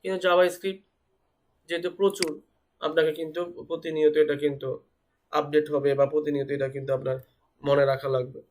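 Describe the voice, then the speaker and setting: A man's voice: on the high side, flat delivery, quick pace, pauses often, darkish tone. A young man with a fever teaching a web development class, explaining step by step and spelling terms out. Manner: explains step by step, repeats words and spells them out. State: speaking slowly because of fever. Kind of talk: live online coding class.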